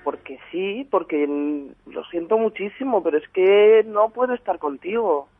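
A woman's voice: mid-range voice, lively intonation, measured pace, dry recording. A woman on a radio call, talking hesitantly and apologetically. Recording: tinny phone line.

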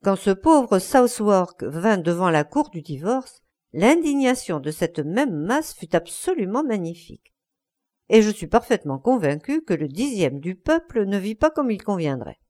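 Cynical young lord, airy and ironic, lively intonation , read by a woman. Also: mid-range voice, measured pace. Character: witty, languid aristocratic young lord, cynical.

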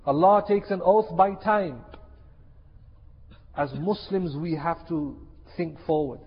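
Impassioned high-voiced male preacher. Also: slow pace, slightly rough. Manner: impassioned, repeats key phrases for emphasis. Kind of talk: sermon. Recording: echoey hall, dull lo-fi sound.

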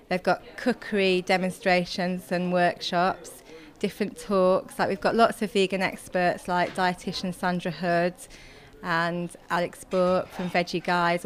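A woman organizer lays out what a program offers, steady and informative with small fillers. Her voice is fairly low and flat in tone. She keeps an even delivery throughout. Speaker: campaign organizer. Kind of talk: explaining a program.

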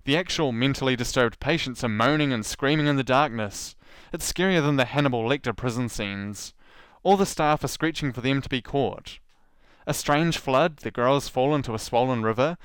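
Sarcastic New Zealand man, smooth voice. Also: mid-range voice, dry recording, clean studio sound. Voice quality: sarcastic, animated storyteller. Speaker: podcast host. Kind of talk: sarcastic commentary.

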